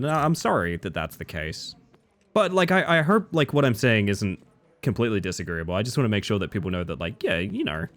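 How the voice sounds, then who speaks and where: Here an Australian-accented man with a mid-range voice games on a live stream, talking casually with viewers. He reads their chat messages out loud and lets the occasional swear word slip.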